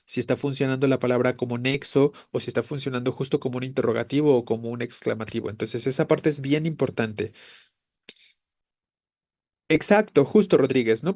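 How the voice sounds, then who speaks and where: A man's voice: mid-range voice, darkish tone, no echo, studio quality. A man teaching a language class, explaining patiently, often checking in with "¿no?" and correcting himself as he goes. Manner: explains patiently, tags phrases with "¿no?" and "¿vale?"; self-corrects mid-sentence. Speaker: Spanish teacher. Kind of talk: online class lecture.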